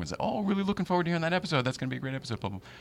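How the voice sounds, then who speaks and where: A man speaks with vocal fry. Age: 40s. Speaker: podcast host. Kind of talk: casual chat. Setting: studio. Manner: animated.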